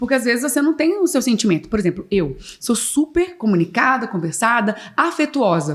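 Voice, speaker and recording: Over noticeable background noise, a woman speaks fairly quickly in a high pitch. Her pitch swings very widely while her loudness stays very even. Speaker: lawyer and mediator. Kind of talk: podcast interview. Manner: fast; animated.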